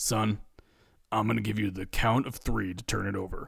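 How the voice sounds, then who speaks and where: Putting on a raspy character voice, a man speaks at a fairly low pitch and a moderate pace in a monotone, flat intonation. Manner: firm, warning.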